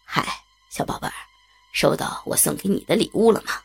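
A woman growling as a sinister gravelly male blackmailer. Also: fairly low pitch, animated, fairly quick, pitched below the performer's own voice, full character voice. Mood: menacing taunt. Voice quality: gravelly, husky whispery growl. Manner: menacing, taunting, mocking.

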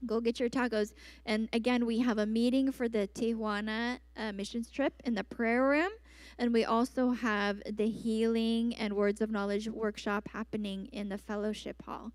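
Woman, church host, upbeat chatty announcements, slightly high voice, dry close sound. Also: fairly even intonation, normal speed, no room sound. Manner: upbeat, chatty, with self-aware asides. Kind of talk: post-sermon announcements and words of knowledge.

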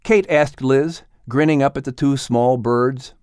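A man's voice: medium pitch, measured pace, darkish tone, smooth, no room sound, studio quality. A man reading scripted narration for a children's audiobook story.

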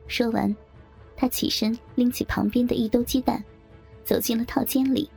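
A woman reads a story aloud in a steady, expressive first-person narration. Her voice sits a little high and has a husky, breathy edge. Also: normal speed, soft background music.

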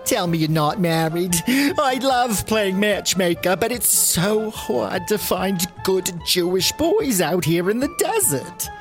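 A woman's voice: medium pitch, lively intonation, slow, hardly any pauses, soft background music. A woman playing an effusive, motherly Jewish matchmaking rabbi in a comedy audio drama, gushing and coy. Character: effusive matchmaking woman rabbi, chatty, secretly scheming host.

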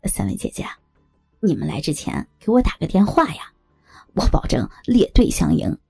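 Gruff, husky-voiced thug boss in his thirties played by a female narrator, crude and swaggering, audiobook. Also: fairly low pitch, huge pitch swings, normal speed, a little mellow, soft background music, voice pushed down, heavily acted. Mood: fawning. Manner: swaggering, switches to fawning. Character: gruff man in his thirties, thuggish security chief.

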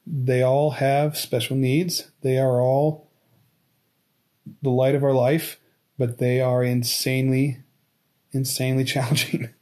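A man's voice: mid-range voice, level tone, slow, pauses often, dark tone. Hesitant forty-year-old man hosting. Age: 40s. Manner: hesitant, many restarts and fillers. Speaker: podcast host. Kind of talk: casual interview chat.

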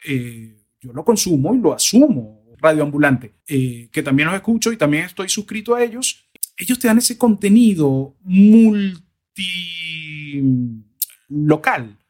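A man answering interview questions on diction and accents in a lively, rambling way. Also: fairly high pitch, slow pace. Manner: animated, discursive, frequent "o sea" asides. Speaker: guest, voice and diction expert. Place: lives in the United States.

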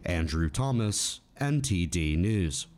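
Deep-voiced male news reporter. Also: lively intonation, slow, a little mellow. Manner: crisp reporter cadence.

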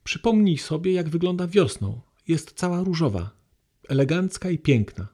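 A man reading aloud, voicing a gentle, patient young woman who speaks in a softly coaxing tone. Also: on the high side, very animated, moderate pace.

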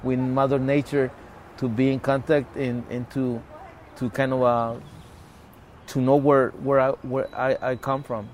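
A man from the border region between Mexico and California, Spanish being his first language, speaks haltingly as an activist guest sharing a personal story in conversation, restarting and repeating words often. His mid-range voice stays level and a little mellow, over a slight hiss or hum.

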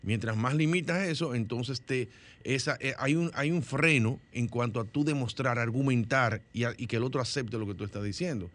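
A man's voice: medium pitch, moderate pace, fairly bright tone. A man from the Dominican Republic with a Dominican Spanish accent, a guest in a studio discussion, who explains at length and often restarts or repeats his words.

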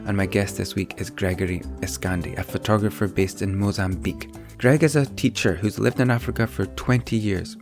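A man hosting a photography podcast, talking in a friendly, hesitant way with many fillers. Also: on the low side. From United Kingdom. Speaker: podcast host. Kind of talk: casual interview.

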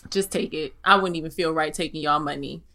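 Woman podcast co-host, bright tone, expressive storytelling, casual talk. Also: deep voice, fairly quick. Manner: expressive storyteller, acts out dialogue in quotes.

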